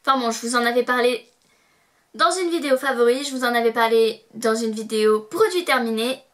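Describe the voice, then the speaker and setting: A young woman reviewing beauty products to camera, bubbly and excitable, breaking into playful sing-song repeats. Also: high-pitched. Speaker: beauty vlogger.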